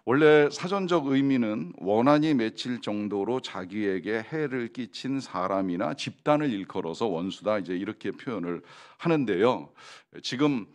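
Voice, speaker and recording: Low-voiced Korean pastor preaching conversationally. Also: male voice, animated, moderate pace, few pauses. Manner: conversational, asks the congregation questions, frequent fillers. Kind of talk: sermon. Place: church sanctuary.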